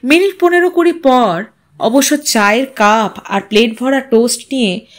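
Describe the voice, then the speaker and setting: A woman narrating a literary story in an expressive, measured, dramatic way. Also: a little high.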